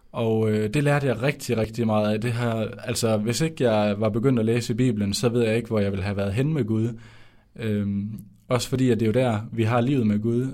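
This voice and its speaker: A man with a medium pitch and a dark, mellow tone speaks at a moderate pace. His intonation is fairly even, with audible room echo. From western Jutland, Denmark (Skjern). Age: 20s. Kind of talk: faith testimony interview.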